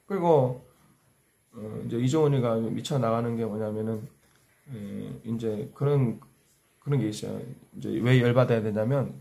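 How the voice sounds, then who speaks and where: Brief: male online commentator, gravelly mid-pitched voice, furious rant, keeps hurling insults. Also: normal speed, warm tone. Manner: heated, insulting, repeats cursing phrases. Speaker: YouTube commentator. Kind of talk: angry ranting commentary.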